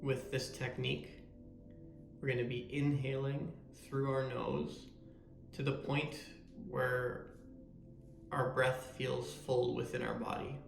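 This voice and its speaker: A man guides a meditation with a soothing, measured delivery. His mid-pitched voice stays very even and carries a gravelly creak. There is a noticeable roomy echo around him as he speaks. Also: slight background noise. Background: meditation music.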